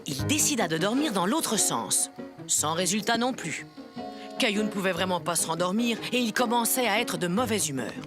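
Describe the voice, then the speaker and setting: A woman playing a grandmother who reads a children's story aloud, with expressive, carefully articulated narration. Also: mid-range voice, normal speed, natural voice. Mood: storytelling. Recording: music behind the voice.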